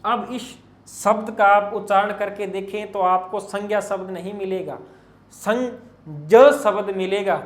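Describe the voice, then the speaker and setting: Male grammar tutor, high register, measured exam-prep lecture in a roomy, echoey space. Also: steady tone, a bit bright. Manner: slow and explanatory, spells out letters piece by piece; addresses students as children, asks and answers his own questions. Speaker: Hindi grammar teacher.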